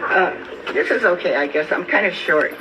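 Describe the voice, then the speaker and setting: Halting woman in her eighties. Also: fairly low pitch, expressive. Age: 80s. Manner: halting, self-deprecating, searches for words. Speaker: speaker at a press event. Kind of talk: unscripted remarks. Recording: distant mic with noticeable background noise.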